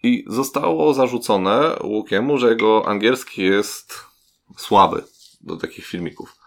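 A man's voice: on the low side, unhurried, vocal fry. A man co-hosting a casual podcast, speaking hesitantly with many fillers and trailing phrases. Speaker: podcast co-host. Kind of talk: casual chat.

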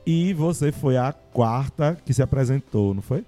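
Mellow-voiced male podcast host. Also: mid-range voice, expressive, normal speed, soft background music. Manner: friendly, asks questions, short backchannels. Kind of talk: casual interview chat.

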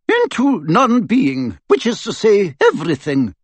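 A man voicing a stern older woman professor who speaks in a crisp, clipped, icily formal way. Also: high voice, wildly swooping pitch, measured pace, dry recording, pitched above the performer's own voice, exaggerated voice. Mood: cold.

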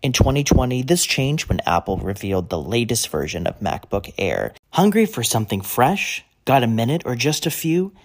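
An expressive commercial narrator with a mid-range voice. The scripted promo delivery moves widely in pitch, rising and dropping freely across phrases. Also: normal speed, hardly any pauses. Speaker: voice-over artist. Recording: voice-over demo reel.

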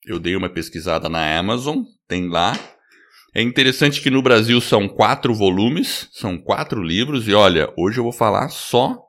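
A man hosting a podcast in casual chat, talking in a lively way and laughing easily. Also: fairly low pitch. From United States. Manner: lively, animated delivery with quick laughs. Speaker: podcast host.

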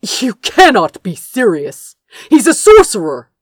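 A woman's voice: on the high side, wildly swooping pitch, unhurried, breathy edge, no room sound, clean studio sound, pitched above the performer's own voice, full character voice. A woman voicing a smug, impatient royal brother in an audiobook, curt, scoffing and patronizing. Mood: scoffing disbelief. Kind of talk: dramatic audiobook character dialogue.

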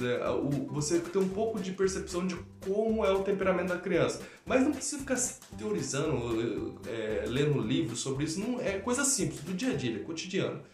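In an echoey room with faint music behind, a Brazilian man speaks in a fairly high voice. He hosts a live stream and talks casually about teaching children, explaining through everyday examples. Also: darkish tone.

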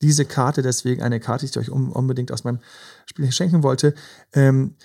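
A male podcast host with a gravelly, fry-tinged voice talks gently and at an easy pace. He explains and advises in a warm, relaxed way and often stops on fillers as he thinks. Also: mid-range voice, normal speed. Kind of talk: casual podcast chat about relationships.

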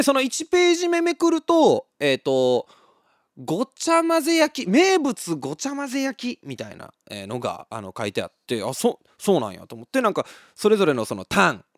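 Man, Osaka Kansai accent, casual storytelling, very lively swinging pitch, dry close sound. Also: dry recording. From Osaka, Japan. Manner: animated, laughs often, many fillers.

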